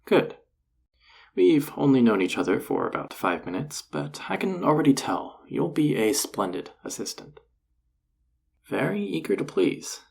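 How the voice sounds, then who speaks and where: A man playing a flirty, self-assured enchanter boss in an audio roleplay, teasing and coaxing the listener in a husky, gravelly voice. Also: fairly high pitch, big pitch swings, a little slow, a little mellow, exaggerated voice. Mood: brisk, approving. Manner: teasing, coaxing, casually confident. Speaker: voice actor. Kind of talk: intimate scripted audio roleplay addressed to the listener.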